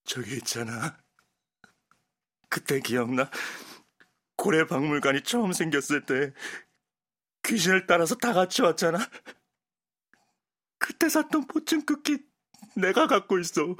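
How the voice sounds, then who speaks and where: Guy doing a sleepy desperate professor, kinda high and husky, keeps fading out. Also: animated, unhurried, pauses often, fairly bright tone, dry recording, clean studio sound. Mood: urgent. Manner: pleading, drowsy, trailing off. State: sleepy, struggling to stay awake. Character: exhausted drugged male professor fading into sleep. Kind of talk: audiobook character voice.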